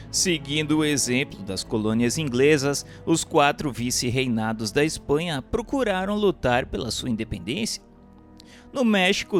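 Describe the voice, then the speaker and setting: Male narrator, medium register, formal and emphatic scripted reading, music bed underneath. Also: medium pitch. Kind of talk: scripted audiobook-style narration of a book chapter.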